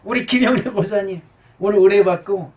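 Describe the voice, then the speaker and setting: A male pastor giving a sermon, animated, swinging from shouts down to quiet murmurs. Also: high-pitched, moderate pace, distant mic.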